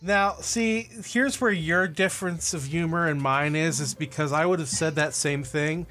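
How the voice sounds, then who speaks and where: Rambling, blunt man with a high voice. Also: steady tone, normal speed, pushed and bright. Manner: blunt, rambling, self-deprecating. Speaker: podcast co-host. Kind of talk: casual comedic chat.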